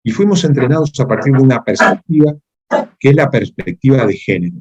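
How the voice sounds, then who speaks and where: Man voicing a formal, matter-of-fact schoolteacher, explaining patiently, retold in a talk, lively pitch, dull lo-fi recording. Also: fairly quick, husky.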